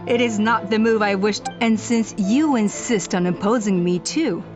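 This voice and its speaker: A woman's voice: medium pitch, normal speed, over music, natural voice. A woman playing a proud, ruthless female tribal leader in a video game, speaking in an imperious, declamatory way. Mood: cold resolve. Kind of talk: dramatic video game voice acting.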